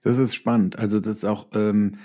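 A man's voice: fairly low pitch, steady tone, brisk, mellow. A middle-aged man speaking as an author being interviewed, thoughtful and often restarting his phrases as he searches for words. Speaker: interview guest, novelist and former advertising copywriter. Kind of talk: reflective conversational interview.

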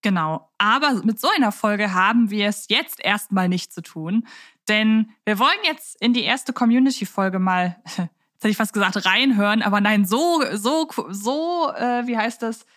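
Woman, podcast host, conversational, articulate, reflective, medium pitch. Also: expressive, normal speed, fairly bright tone.

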